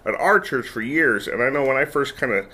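A man on church staff co-hosting a podcast, relaxed and affirming in casual chat. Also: medium pitch, a little fast.

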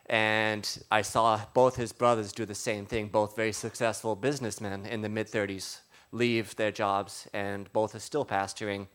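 A man preaching informally through personal testimony, with a halting, conversational delivery. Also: fairly low pitch, level tone, a bit bright.

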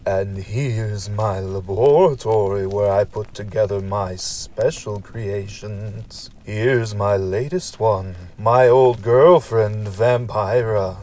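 A man playing a deadpan, centuries-old mad scientist who hosts a comedic horror show. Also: lowish voice, takes it slowly, few pauses. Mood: deadpan, proud. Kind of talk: scripted comedic horror hosting.

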